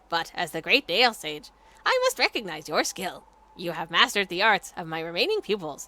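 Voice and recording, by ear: A woman's put-on character voice at a medium pitch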